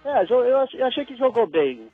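A man's voice: very high voice, sing-song, fairly quick, husky, dry recording, faint music behind. A man in his forties calling in to a radio show over the phone, chatting in a friendly, opinionated way. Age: 40s. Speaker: caller. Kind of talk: casual call-in chat. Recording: dull lo-fi phone line.

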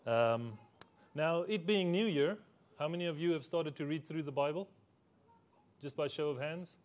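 Afrikaans-speaking guy giving a chatty sermon, kinda high voice, cracks little jokes at himself. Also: moderate pace. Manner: conversational, self-deprecating humor, asks congregation questions. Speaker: preacher. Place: church.

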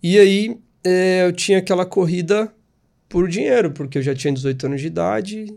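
A man's voice: sits high, normal speed, creaky. Chatty Brazilian man telling his story. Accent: Brazilian Portuguese. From Espírito Santo, Brazil. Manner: animated, chatty, frequent tag questions. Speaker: podcast guest. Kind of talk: casual storytelling interview.

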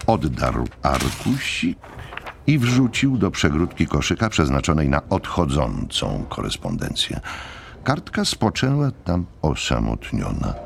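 Bardzo niski, chropawy głos lektora. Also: male voice, very deep voice, wildly swooping pitch, creaky, a little hiss or hum. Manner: measured, deliberate phrasing. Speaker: audiobook narrator. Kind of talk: scripted dramatic narration.

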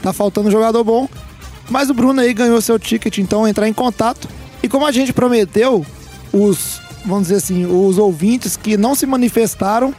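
A man's voice: high-pitched, a little mellow. A man with a Brazilian accent hosting a sports podcast, upbeat and teasing with his co-hosts. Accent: Brazilian Portuguese. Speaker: podcast host. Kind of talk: casual sports podcast chat.

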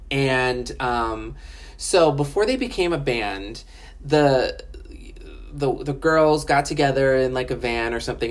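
Chatty, frank woman reviewing. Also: a bass voice. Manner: chatty, filler-heavy, frank and profane. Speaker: documentary reviewer. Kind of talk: casual spoken review. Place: home in Los Angeles.

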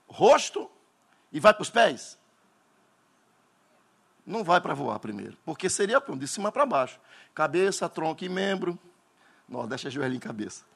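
A Northeastern Brazilian man preaching a Pentecostal sermon, telling stories dramatically and bursting into shouts. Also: high voice, very animated, unhurried, vocal fry, pauses often, husky.

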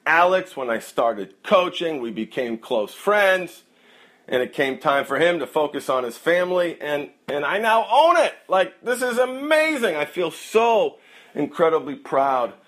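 Male coach chatting to his listeners, earnest and encouraging, slow talker, slightly high voice. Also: sing-song, a bit bright. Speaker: coach and host. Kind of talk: casual direct address to listeners.

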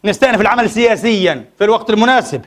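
A man preaching a Friday sermon in a mosque, speaking. His voice sits very high and races along at a breakneck clip. He presses the congregation with impassioned rhetorical questions. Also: lively intonation, racing, a bit bright.

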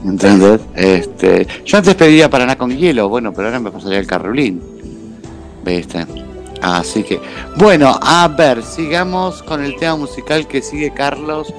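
A man's voice: medium pitch, moderate pace, over music. A man with an Argentine accent, hosting a casual, joking radio chat show. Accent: Argentine Spanish. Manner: animated, jokey, uses voseo. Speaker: radio host.

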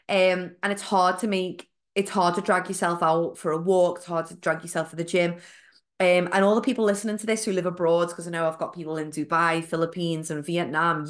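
A young woman chats through a solo fitness podcast, her voice nasal and bunged up from a cold. She sits a little low in pitch and keeps things friendly and encouraging, with plenty of ums and likes along the way. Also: moderate pace. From United Kingdom. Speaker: podcast host, fitness coach. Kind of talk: casual solo podcast talk.

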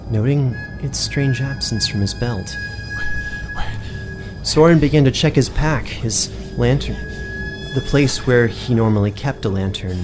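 A man working as game master, reading dramatic scripted fantasy-horror narration. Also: mid-range voice. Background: music.

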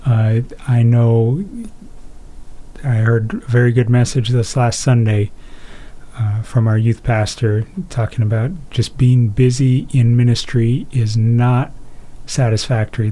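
A man hosts a live call-in program on Christian radio. His voice is mellow and dark, and his delivery is measured and announcer-like, with the odd uh as he puts questions to a guest. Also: medium pitch.

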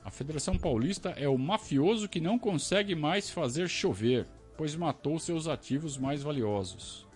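A Brazilian man hosting a casual live stream, talking to his audience in an animated, ranting way. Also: on the high side, normal speed, soft background music. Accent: Brazilian Portuguese. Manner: animated, talks to the audience, rants and self-questions. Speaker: podcast host reading superchats. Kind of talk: casual live-stream chat about football.

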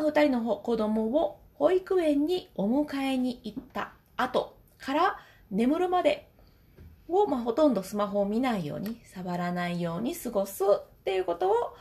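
Woman, 30s, mother-of-two diary chat, chatty with frequent laughs, very animated pitch. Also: creaky. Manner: chatty, laughs often, acts out quotes. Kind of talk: casual spoken diary.

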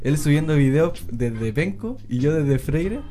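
A young man, a guest guitarist, telling a story in a lively way. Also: a little high, unhurried. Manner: animated storyteller, laughs while telling. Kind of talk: casual storytelling. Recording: music clearly behind.

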